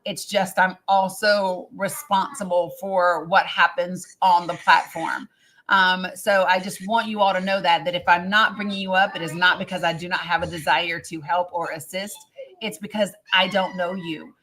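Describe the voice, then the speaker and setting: A woman's voice: on the low side, steady tone, moderate pace, a bit bright. A woman in her fifties hosting a live-stream panel, talking earnestly and firmly with many ums and restarts. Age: 50s. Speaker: livestream host.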